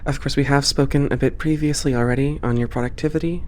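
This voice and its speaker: A performer with a mid-pitched voice playing a calm, supportive space port boss in a one-sided roleplay, reassuring and softly professional. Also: quick pace, a little hiss or hum, lightly acted. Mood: encouraging. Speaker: ASMR roleplay voice actor.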